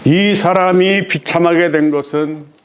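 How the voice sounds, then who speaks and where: A middle-aged male pastor preaching a sermon in a fairly high voice. He presses his points with rhetorical questions to the congregation. His delivery swings between raised, emphatic lines and sudden hushed, low phrases. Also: fairly even intonation, unhurried, a little hiss or hum.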